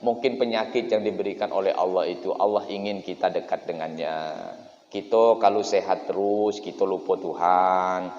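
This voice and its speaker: A man giving a dawn mosque sermon, telling stories lively with acted voices. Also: sits low, moderate pace. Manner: lively storytelling with acted voices and local dialect. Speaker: preacher. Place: mosque hall. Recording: echoey hall, dull lo-fi sound.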